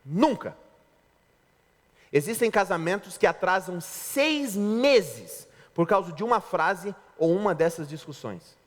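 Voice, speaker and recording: Lively joking Brazilian pastor in a hall. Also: male voice, high voice, takes it slowly. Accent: Brazilian Portuguese. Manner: lively, joking preacher acting out spouses' lines. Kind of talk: sermon. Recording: reverberant hall.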